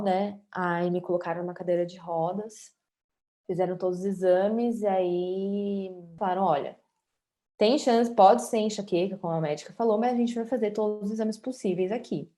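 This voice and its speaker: A woman's voice: mid-range voice, a little mellow. A woman in her late twenties with a Brazilian Portuguese accent, telling her own story candidly and conversationally as an interview guest. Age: 20s. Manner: candid, conversational, often adds tag questions.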